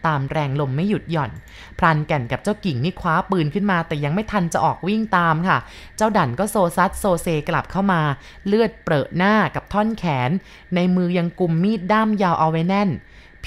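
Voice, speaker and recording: Lady narrating a spooky ghost tale, lowish voice, polite, talks right to the listeners. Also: brisk. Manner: polite, addresses listeners directly. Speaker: storyteller.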